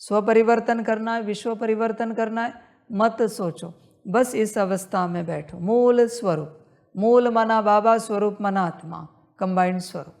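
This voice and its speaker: Slow, insistent woman guiding meditation. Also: medium pitch, fairly even intonation, darkish tone. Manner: slow, repetitive, insistent spiritual instruction. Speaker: meditation guide. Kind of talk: guided meditation talk.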